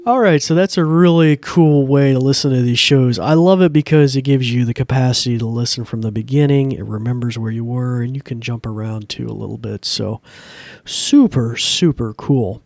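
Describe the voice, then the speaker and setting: A man's voice: medium pitch, moderate pace, gravelly, a little mellow, no room sound. A man hosting a podcast, giving a casual, chatty, informal tutorial into a close mic. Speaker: podcast host. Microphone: close podcast mic through a mixer.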